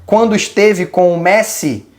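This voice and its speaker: A Brazilian-accented host talks through viewer questions in a relaxed, colloquial way. The delivery is opinionated, and the host reasons aloud as the argument builds, like an informal chat with the audience. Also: mid-range voice, measured pace. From Belém do Pará, Brazil. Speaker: channel host. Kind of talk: casual commentary answering viewer questions.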